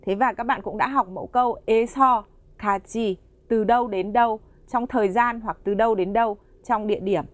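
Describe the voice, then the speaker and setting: A woman's voice: a little high, fairly even intonation, brisk, no room sound. Woman presenting a language lesson. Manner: friendly, explanatory, addresses learners directly. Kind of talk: scripted lesson narration.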